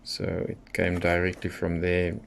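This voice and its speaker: Male, deep voice, hobbyist reviewer talking casually and matter-of-factly, clear background noise on the recording. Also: monotone, measured pace. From South Africa. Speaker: radio hobbyist presenter. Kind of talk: casual unboxing review, unscripted.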